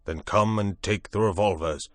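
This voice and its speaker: Man doing a calm, commanding scientist. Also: fairly low pitch, no room sound, studio quality, close to an everyday voice. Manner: calm, measured, authoritative. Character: steady, commanding older male scientist.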